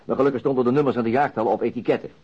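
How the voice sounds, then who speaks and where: An actor playing a stubborn, dry-humoured middle-aged police detective in a Dutch radio drama, wry and self-interrupting. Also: male voice, mid-range voice, fairly even intonation, racing, slightly rough. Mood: animated, wry. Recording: muffled archived radio drama recording.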